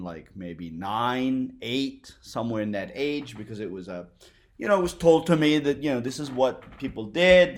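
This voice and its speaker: A man from Egypt, a guest on a podcast, telling his life story in a relaxed way with hesitant fillers. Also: on the low side. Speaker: interview guest. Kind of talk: interview, personal story.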